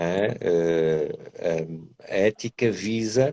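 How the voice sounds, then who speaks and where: A man speaks with a European Portuguese accent and lively intonation. His tone is dark and mellow, the sound dry and close with no echo. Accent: closed European Portuguese. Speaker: psychology professor. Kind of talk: interview conversation.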